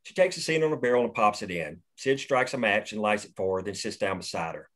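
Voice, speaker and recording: A man reading the action lines of a screenplay aloud at a table read, steady and plain. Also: fairly low pitch, quick pace. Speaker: narrator reading stage directions.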